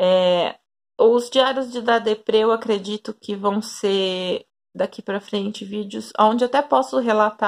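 A woman speaks at a fairly slow pace in a fairly high pitch, with an unremarkable speaking voice. Her pitch varies in an ordinary way over a quiet background. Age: 30s. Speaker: YouTuber. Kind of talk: casual vlog chat. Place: home room. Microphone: phone near.

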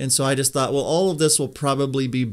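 A man over a quiet background. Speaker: podcast co-host. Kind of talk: podcast conversation. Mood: reflective, relaxed. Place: studio. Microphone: studio mic.

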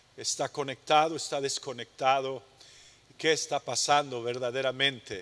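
A man's bright, sharp voice, fairly slow, with ordinary pitch variation. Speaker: pastor. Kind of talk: sermon. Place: studio. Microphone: lapel.

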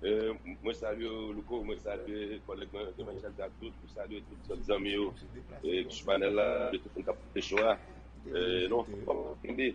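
Against noticeable background noise, a man talks at a moderate pace with big swings in loudness. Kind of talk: phone interview. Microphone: line cutting out.

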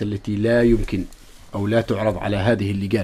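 The voice has a dark, mellow tone. Its intonation stays fairly even at a moderate pace. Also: man. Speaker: social affairs expert. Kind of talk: radio discussion. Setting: studio. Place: studio.

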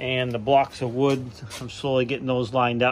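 A man talks at a moderate pace. Light noise sits in the background. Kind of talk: casual project update walkthrough. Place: garage. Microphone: phone near.

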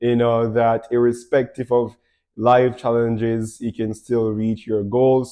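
In a quiet background, a man speaks at a fairly slow pace with a monotone, flat intonation. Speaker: vlogger. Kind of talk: casual vlog chat. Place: home room.

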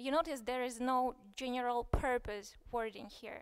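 Against a quiet background, a woman's voice comes through. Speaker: conference presenter. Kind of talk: technical talk. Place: hall. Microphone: podium.

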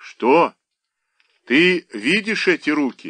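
A man at a very slow pace with vocal fry and lively intonation, in a dry, close sound with no echo and a quiet background. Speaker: audiobook narrator. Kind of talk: reading aloud.

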